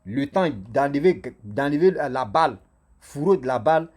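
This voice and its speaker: A man with a husky, slightly breathy voice pitched a little high for a man tells a folk tale to his online audience. He speaks French as a second language, and his first tongue is a local African language. He talks in a lively, repetitive way and keeps breaking off to address his listeners directly. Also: normal speed. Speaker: storyteller and channel host. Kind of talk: casual oral storytelling to viewers.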